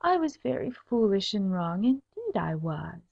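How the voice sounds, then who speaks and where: A woman's voice: mid-range voice, very animated, a little slow, gravelly, darkish tone, heavily acted. A woman voicing a sly, pert young noblewoman, a coaxing daughter in a humorous storybook tale. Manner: girlish, coaxing, haughty when teased. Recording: dull lo-fi audiobook recording.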